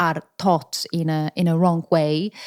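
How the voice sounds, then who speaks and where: A woman speaks in a Polish accent. The recording sounds dry and close, with no echo. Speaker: English teacher. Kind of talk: podcast monologue. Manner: halting, many fillers.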